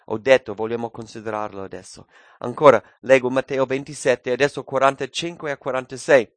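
Male preacher, mid pitch, dramatic sermon delivery with loud peaks and hushed drops, dry close mic. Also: fairly even intonation, a little fast, no room sound. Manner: dramatic swings between loud cries and hushed low phrases.

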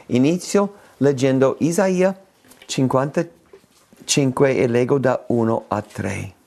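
In a gravelly, warm voice, a preacher reads scripture and unpacks it in a slow, deliberate way. On emphatic phrases his pitch rises.

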